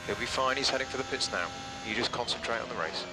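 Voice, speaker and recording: A quick, firm male voice, an actor doing a race engineer in a racing game. He snaps out brisk instructions over loud car noise. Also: medium pitch, close to an everyday voice.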